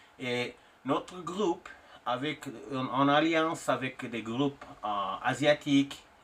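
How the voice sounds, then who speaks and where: Very slowly, a man talks with a non-native accent. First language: not French (speaking French). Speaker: spokesman of an organization. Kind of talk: recorded public message. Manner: halting, many hesitations.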